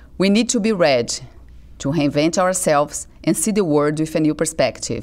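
A woman with a Brazilian accent speaks at a very deep, low pitch, her lively intonation edged with vocal fry. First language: Portuguese. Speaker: artist and poet; poet. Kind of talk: presentation with poetry readings. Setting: live talk with audience. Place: stage. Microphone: podium.

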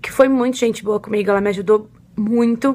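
A woman speaks in a São Paulo accent at a moderate pace. Her pitch variation is ordinary. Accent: Brazilian Portuguese, paulistano. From Brazil, São Paulo city. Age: 20s. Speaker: au pair; guest. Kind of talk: personal storytelling. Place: home room. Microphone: webcam.

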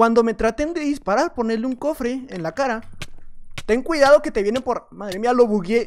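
A man talks in an extremely high voice. His pace is moderate and his pitch variation ordinary. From Mexico. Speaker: gaming youtuber. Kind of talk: live gameplay commentary. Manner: animated.

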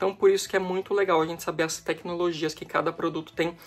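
Talking at a very fast pace, a man with a Brazilian accent holds a high pitch in a monotone, flat delivery. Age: 30s. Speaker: skincare YouTuber. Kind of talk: product review. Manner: casual, many filler words. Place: home room.

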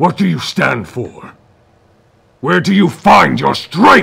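Someone speaks in a raspy, put-on character voice at a fairly slow pace. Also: man. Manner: solemn, cryptic, testing.

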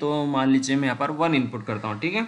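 In a normal speaking voice, a man talks with fairly high pitch and fairly even intonation. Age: 20s. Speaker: programming tutor. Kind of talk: coding tutorial. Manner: casual.

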